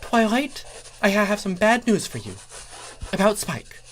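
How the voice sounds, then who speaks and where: A man's voice: sing-song, a little slow, slight background noise. A man voicing an anxious, distressed female cartoon unicorn in a comic story reading. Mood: anxious, hesitant. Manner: distressed, exclamatory, falsetto-like.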